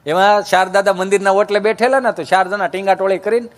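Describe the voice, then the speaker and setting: A man performing Gujarati folk stand-up with a Kathiawadi accent. He talks in a notably high voice, lively and storytelling, and leans into preachy emphasis. His delivery rises when he lectures. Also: quick pace. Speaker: folk comedian.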